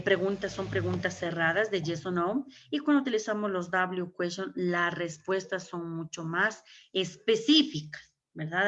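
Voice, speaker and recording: A woman's voice: fairly low pitch, fairly bright tone. Ecuadorian spanish teacher lady on a video call, walks through grammar step by step, keeps asking ok?, muffled laptop mic. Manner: explains step by step with many checks like "¿ok?" and "¿verdad?". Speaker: English teacher. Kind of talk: online class lecture. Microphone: computer mic on a video call. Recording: dull lo-fi video call audio.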